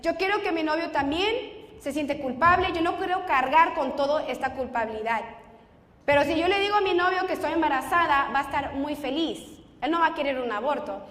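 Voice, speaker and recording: A woman's voice: high-pitched, animated, fairly quick, fairly bright tone. A young woman giving a personal testimony with strong feeling, acting out what she and others said. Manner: emotional, reenacts dialogue. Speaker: testimony speaker. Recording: echoey hall with long reverb.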